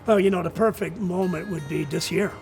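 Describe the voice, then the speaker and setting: An older man with a high-pitched, gravelly voice answers interview questions as a coach. He is a non-native English speaker and talks earnestly, often repeating words as he goes, with faint music behind him. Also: a little fast, darkish tone. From outside the United States. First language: not English. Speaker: college soccer coach.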